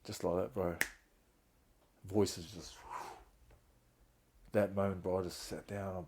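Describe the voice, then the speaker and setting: Casting: middle-aged New man, earnest guest, flat low delivery. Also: slow, noisy background. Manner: earnest, open, speaks of hard times with emotion. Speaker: guest, founder of a reintegration trust. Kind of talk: candid personal storytelling.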